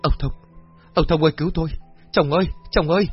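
A man's voice: fast talker, husky. A man voicing a terrified middle-aged woman in a horror story, frantically begging and crying for help. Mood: screaming for help. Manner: frantic, pleading, shrill cries. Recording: dull lo-fi audio, faint music.

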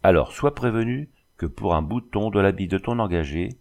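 A man voicing a slow, disdainful tribal chief. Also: low-pitched, animated, creaky, darkish tone. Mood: solemn. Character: stern, dignified male native chief. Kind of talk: audiobook character reading.

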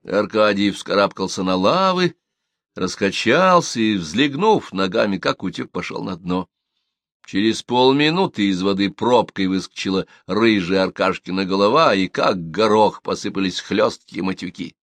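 Guy reading an audiobook, lowish voice, lots of ups and downs, dry sound. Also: normal speed, no echo. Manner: expressive storytelling. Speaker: narrator.

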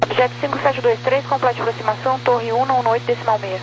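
Female air traffic controller, Brazilian accent, quick procedural phrasing, humming radio transmission. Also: fairly high pitch, steady tone, lo-fi sound. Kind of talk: radio instructions in set phraseology. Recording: noisy, humming radio channel.

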